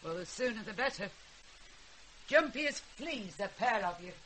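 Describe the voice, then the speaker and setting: A woman's voice: medium pitch, expressive, moderate pace, sharp tone. An actress playing a feisty, mischievous old grandmother with a Northern English accent in a British radio drama, blunt, wry and earthy. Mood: wry, dismissive. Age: older. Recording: hissy, noisy radio drama recording.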